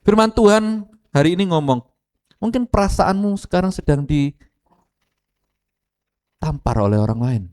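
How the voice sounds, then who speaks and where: Middle-aged East Javanese male pastor, animated preaching, speaks to the pews. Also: sits high, normal speed, long pauses. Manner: animated, addresses congregation directly, mixes Javanese phrases. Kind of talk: lively sermon with acted quotes.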